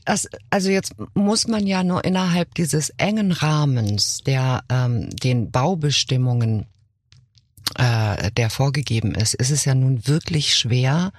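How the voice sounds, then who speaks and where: Woman, actress guest, playful animated chat, husky tone, dry close mic. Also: extremely low pitch, measured pace, dry recording. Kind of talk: casual podcast chat.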